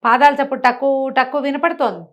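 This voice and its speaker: A woman telling moral tales aloud in an animated, conversational way, explaining as she goes and acting out dialogue. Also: sits high, fast. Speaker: storyteller.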